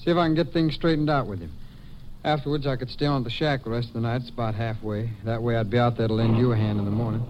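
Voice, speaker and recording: Guy acting young american cowboy, medium pitch, uneasy and insistent, muffled old radio. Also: fairly even intonation, quick pace, darkish tone, slight background noise, natural voice. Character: uneasy young homecoming ranch son, stubborn. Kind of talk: 1950s radio western acting.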